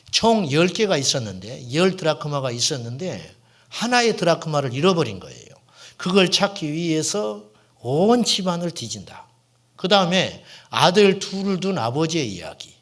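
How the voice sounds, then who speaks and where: A middle-aged man preaches from the pulpit in a fairly high voice that rises and falls with a lot of life. He asks his listeners questions and answers them himself. At moments he sinks into a soft, hushed whisper to press a point home. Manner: drops to a hushed, whispered tone for emphasis. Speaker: senior pastor. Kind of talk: sermon.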